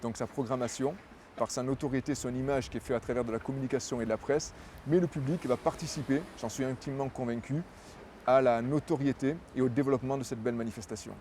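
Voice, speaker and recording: A man's voice: medium pitch, steady tone, fast, warm tone, slight background noise. A man, a festival director, answering interview questions in a fluent, promotional way, repeating words as he thinks.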